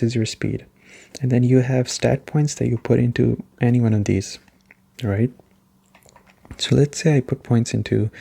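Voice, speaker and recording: A soft-spoken man giving a relaxed, explanatory gaming chat in an ASMR style, rambling a little as he goes. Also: mid-range voice, gravelly. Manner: rambling, explanatory, often checking in with "right?". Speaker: gaming reviewer and host.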